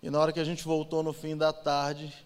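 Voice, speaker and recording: A man's voice: a little high, completely flat delivery, fairly quick, smooth. Emotional testimony, man in a reverberant hall. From Brazil. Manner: emotional storytelling, swings from loud to hushed. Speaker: church testimony speaker. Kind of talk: personal testimony in church.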